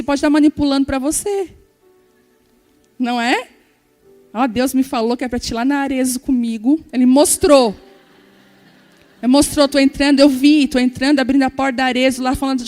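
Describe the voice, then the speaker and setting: A middle-aged woman preaches to her congregation, retelling a personal story and speaking straight to the crowd. Her voice sits high, and she acts out each piece of the dialogue. Soft music plays faintly underneath. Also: steady tone, brisk. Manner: storytelling, acting out dialogue, addressing the audience directly. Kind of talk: sermon with personal testimony.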